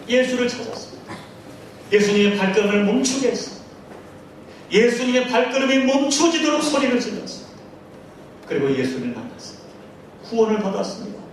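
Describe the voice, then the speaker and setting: High-voiced fervent pastor in an echoey hall. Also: male voice, slight background noise. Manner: fervent, pleading preaching cadence. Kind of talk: sermon and closing prayer. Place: church sanctuary. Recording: echoey hall from far off with faint music.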